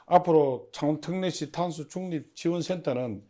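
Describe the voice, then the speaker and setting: A man giving formal, prepared interview answers as an agency official, in measured and stiffly official phrasing. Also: on the high side, warm tone. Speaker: head of a public industry agency, interview guest.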